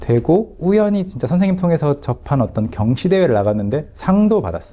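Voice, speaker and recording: A man at a fairly high pitch, fairly quick pace and very wide pitch swings. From South Korea, Gwangju. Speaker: language education company CEO. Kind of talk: casual interview chat.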